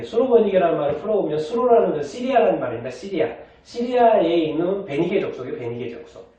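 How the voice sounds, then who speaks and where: In a distant, echoey, dull recording from a church sanctuary, a male pastor with a slightly high, dark-toned voice delivers a sermon. He puts questions to the congregation and supplies the answers himself.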